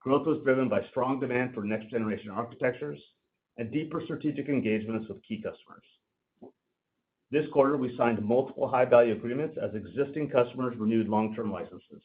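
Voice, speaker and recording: Man, narrow tinny phone line, finance executive, formal scripted corporate remarks, measured. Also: medium pitch. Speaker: company finance executive on an earnings call. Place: conference call line.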